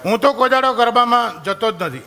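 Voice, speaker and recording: A man's voice: very high voice, brisk. A male stand-up comedian telling stories, acting out characters and singing snatches of songs. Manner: animated, acts out characters and sings snatches of songs.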